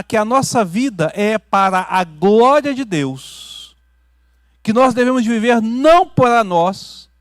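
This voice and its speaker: Earnest Brazilian pastor, dry close sound. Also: male voice, sits high, no room sound. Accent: Brazilian Portuguese. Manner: earnest, swings from loud emphatic build-ups to quiet asides; checks in with the audience often. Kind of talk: teaching sermon with questions to the congregation. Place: church hall.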